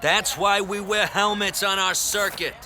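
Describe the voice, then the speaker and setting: A man's voice: high-pitched, steady tone, unhurried, bright, forceful tone, slight background noise, heavily acted. An actor playing a fatherly male race boss, concerned yet firm, in an audio drama. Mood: apologetic, firm. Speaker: race organizer.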